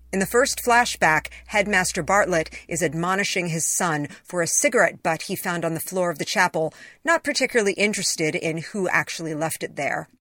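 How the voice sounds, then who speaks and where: A woman's voice: on the low side, a bit bright, dry recording. A woman reading her own personal essay as scripted narration, in a conversational, wry storytelling way.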